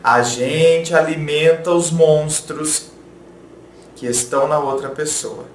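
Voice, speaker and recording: A man from the of São gives relationship advice in a calm, measured way. His voice sits slightly high for a man. It was recorded in a roomy space with a faint hiss behind it. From interior of São Paulo, Brazil. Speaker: relationship advice channel host. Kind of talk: advice talk, reading viewer letters aloud. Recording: roomy echo, faint background noise.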